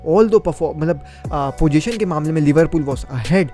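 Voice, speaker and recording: A man's voice: fairly high pitch, measured pace, dark tone, soft background music. A young man gives a casual, opinionated football match review, talking in a chatty and emphatic way.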